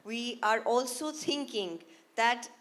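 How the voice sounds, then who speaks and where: A woman's voice: fairly high pitch, slow pace, fairly bright tone, a little hiss or hum. A woman with an Indian accent, politely but insistently making her point in an informal panel discussion.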